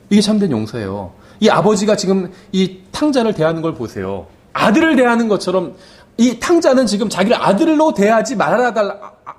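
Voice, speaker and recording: Male pastor, sermon delivery, high and lively voice, talks with the congregation. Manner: conversational, asks the congregation questions; acts out quoted lines of the father and son.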